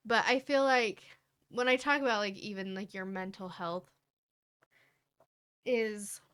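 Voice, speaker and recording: Woman co-host, bright clear voice, earnest and rambling, candid chat. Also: mid-range voice, fairly even intonation, a little slow, no echo, clean studio sound. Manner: earnest, rambling with many fillers. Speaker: podcast co-host. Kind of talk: candid couple's conversation.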